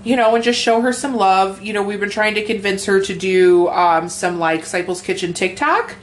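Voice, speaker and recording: A woman with a raspy voice co-hosting a casual podcast, swearing freely and rambling with lots of fillers. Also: mid-range voice, fairly even intonation, moderate pace. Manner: profane, rambling, filler-heavy. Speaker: podcast co-host. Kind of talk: casual chat.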